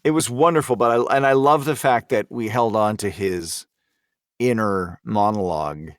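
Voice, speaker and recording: A man's voice: fairly low pitch, normal speed, clean tone, dry recording, clean studio sound. A man chatting informally as a panelist in a podcast discussion. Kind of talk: casual behind-the-scenes discussion.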